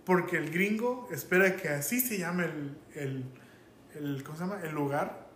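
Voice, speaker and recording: A man's voice: a little high, normal speed, roomy sound, slight background noise. A man from Mexico with a Mexican Spanish accent, telling anecdotes animatedly in casual podcast chat. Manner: animated storyteller.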